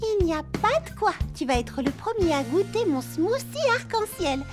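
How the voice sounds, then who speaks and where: Very high, lively cartoon girl. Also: moderate pace, over music. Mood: cheerful. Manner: expressive, exclamatory. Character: cheerful, kind young cartoon girl. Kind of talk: French children's cartoon dub acting.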